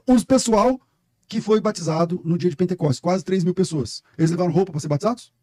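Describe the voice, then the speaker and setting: A man's voice: high-pitched, fast, warm tone, no room sound, clean studio sound. A middle-aged Brazilian man, a pastor, talking emphatically and telling stories in a casual podcast conversation. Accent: Brazilian Portuguese. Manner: emphatic, storytelling, preacher-like. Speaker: guest pastor.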